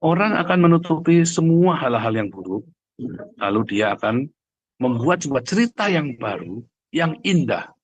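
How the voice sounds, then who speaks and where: Husky man preaching emphatically. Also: medium pitch, no echo, dull audio. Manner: repeats phrases for emphasis, addresses listeners directly. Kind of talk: livestream sermon, conversational and emphatic.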